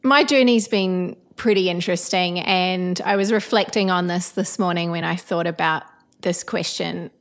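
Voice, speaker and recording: A woman's voice: lowish voice, normal speed. A woman in her late thirties from New Zealand with a blended New Zealand and Australian accent, a guest chatting casually and reflectively in a home kitchen, laughing often. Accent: New Zealand, with some Australian. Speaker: guest, architect turned business coach. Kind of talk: casual interview chat.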